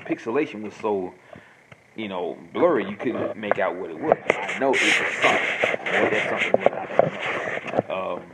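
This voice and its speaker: A man talking casually and rambling in a monologue, restarting sentences and filling pauses. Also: lowish voice. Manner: rambling, repeats himself, many fillers. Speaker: host answering viewer questions. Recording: noisy home recording.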